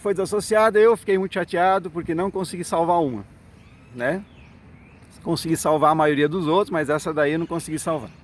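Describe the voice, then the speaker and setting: A middle-aged man, once a congregation elder, tells his own story in a monologue with a voice on the high side. He performs the quoted dialogue and keeps checking in with "né?" and "certo?", over slight background noise.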